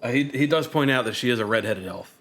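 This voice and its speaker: A man's voice: medium pitch, animated, quick pace, a bit bright, faint music behind. A man narrating as game master of a tabletop game, hesitant, with many ums and uhs.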